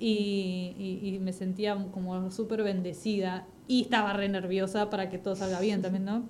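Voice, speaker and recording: With an Argentine accent, a woman talks at a fairly slow pace in a flat monotone, hardly pausing, amid audible room echo and noticeable background noise. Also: medium pitch for a woman. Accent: Rioplatense Argentine Spanish. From Buenos Aires southern suburbs, Argentina. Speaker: singer-songwriter. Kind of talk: radio interview.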